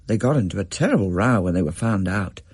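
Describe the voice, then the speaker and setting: A man reading a story aloud as narrator in a measured, storytelling way. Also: sits low, breathy edge, no echo, studio quality. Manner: gently storytelling, varied and expressive.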